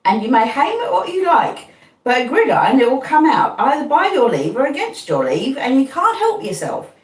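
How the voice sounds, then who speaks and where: Lady reading as a kindly plodding blacksmith guy, talk, pitch swinging up and down, roomy echo. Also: very animated, normal speed. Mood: earnest. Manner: plodding rustic speech, earnest and repetitive. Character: kindly slow-spoken blacksmith man, middle-aged. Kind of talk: audiobook reading. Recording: roomy, distant mic.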